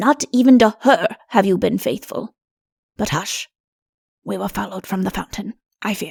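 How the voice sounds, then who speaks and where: Using a put-on character voice, the speaker pauses long and often. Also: woman, fairly high pitch for a woman, moderate pace. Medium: read story. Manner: grave, measured, reproving.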